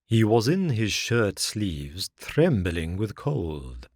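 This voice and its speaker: A sly fox, voiced by a man, greets the listener with courteous, wheedling charm, drawing his words out slowly. The storybook recording is close and dry. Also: fairly low pitch, very animated, a little mellow, dry recording, full character voice. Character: sly smooth-talking male fox.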